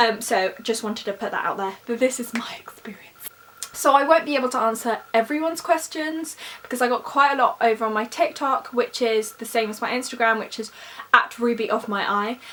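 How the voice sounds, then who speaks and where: Noticeable background noise runs under a woman's voice. She speaks at a fairly quick pace and fairly high pitch with ordinary pitch variation. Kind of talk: casual Q&A vlog. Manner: loud; hesitant with many fillers.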